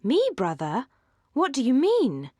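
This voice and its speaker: A woman reading calm, sensible Elinor. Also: on the high side, measured pace, no echo, studio quality, voice pushed up, full character voice. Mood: composed.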